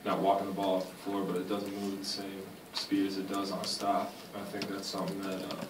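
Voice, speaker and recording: Flat low-voiced young man, echoey press room. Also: a little fast. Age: young adult. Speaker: college basketball player. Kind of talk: postgame press conference answers. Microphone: table mic, far camera. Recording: echoey room, distant mic, noise.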